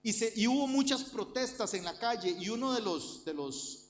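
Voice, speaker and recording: A pastor from Costa Rica, high-voiced and lively in intonation, preaches a sermon and Bible study at a normal pace. He addresses the congregation head-on and keeps repeating phrases with earnest emphasis, and a faint hiss or hum runs under the recording.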